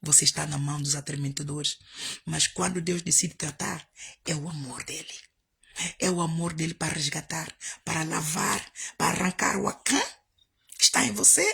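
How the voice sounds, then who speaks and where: Woman preaching in a raspy, gravelly voice. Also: deep voice, normal speed, a bit bright. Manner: emphatic, repetitive preaching. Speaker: pastor. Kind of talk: storytelling sermon.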